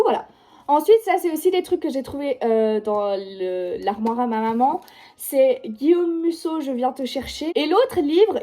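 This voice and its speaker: A woman's voice: fairly high pitch, warm tone. A young woman around eighteen with a Swiss French accent, chatting casually and rambling about her reading pile with constant fillers. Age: young adult, about 18. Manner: rambling, heavy with fillers like genre and du coup. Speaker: book vlogger. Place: at home by her bookshelf.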